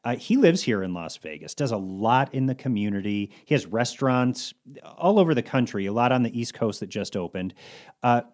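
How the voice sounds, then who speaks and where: A man's voice: mid-range voice, fairly quick. Chatty male podcast co-host. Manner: chatty, lively storytelling. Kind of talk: casual chat.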